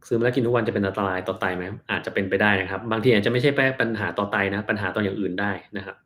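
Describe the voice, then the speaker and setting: Doc guy on a live stream, lowish voice, chill, reads questions and answers them. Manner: relaxed, plain-spoken, slows down to explain terms. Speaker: doctor answering viewer questions.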